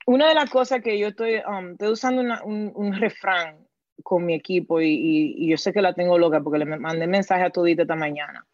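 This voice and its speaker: A woman's voice: lowish voice, steady tone, brisk, a little mellow. A woman with a Dominican accent speaks earnestly as a coach in an interview, often restarting phrases. Her voice comes through a dull, lo-fi recording in a dry space with no room echo. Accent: Dominican Spanish. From Dominican Republic. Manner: earnest, repeats words, slips into English. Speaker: guest, team coach. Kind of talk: casual interview answers.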